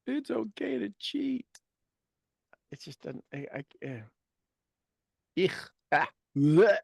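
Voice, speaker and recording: A man in his fifties leads a motivational group session, pressing his points with emphasis and repeating key phrases. His voice sits a little high, and the sound is close and dry. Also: very animated, takes it slowly, creaky, a little mellow, no room sound. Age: 50s. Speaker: host and coach.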